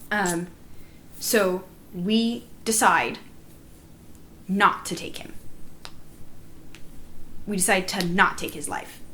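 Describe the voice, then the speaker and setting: A woman's voice: mid-range voice, takes it slowly, pauses often, bright, forceful tone. A woman recounting events in a group discussion, speaking in an emphatic, indignant, storytelling way. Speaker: player recounting a live-action roleplay game. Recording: noticeable background noise.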